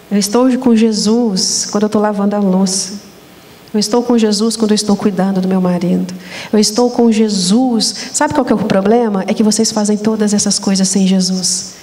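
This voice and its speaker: A young Brazilian woman hosting a Christian women's talk show on a church stage, telling lively stories and speaking straight to the audience. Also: medium pitch. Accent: Brazilian Portuguese. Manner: animated storytelling, addresses audience as "gente".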